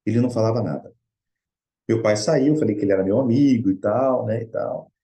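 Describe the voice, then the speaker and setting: A middle-aged man with a Brazilian Portuguese accent speaks in a relaxed, mellow tone. His pitch sits in an ordinary middle range. He tells a personal story in an earnest, conversational way as a speaker at a Spiritist study session. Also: brisk, vocal fry.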